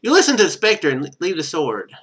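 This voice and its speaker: He reads the game's narration with very animated pitch for his stream before dropping into relaxed commentary laced with wry sarcasm. His voice is bright, fairly high, and slightly rough, and he talks quickly.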